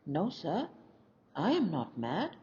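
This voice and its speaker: A woman reading the part of a polite, earnest young male peasant in a storybook, with measured delivery. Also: lowish voice, wildly swooping pitch, warm tone, heavily acted. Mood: secretive, respectful. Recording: dull lo-fi recording with faint noise.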